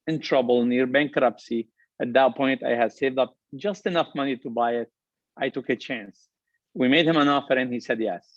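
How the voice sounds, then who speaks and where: A man's voice: medium pitch, dry recording, lo-fi sound. Lebanese-accented man giving an upbeat keynote. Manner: earnest, upbeat, emphatic with repeated phrases. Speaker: restaurant company founder giving a talk. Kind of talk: motivational keynote speech.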